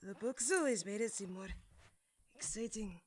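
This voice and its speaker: A woman's voice: mid-range voice, lively intonation, normal speed, husky. A woman voicing a sulky, sheltered young prince who sounds petulant, hesitant and naive. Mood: glum, sulky.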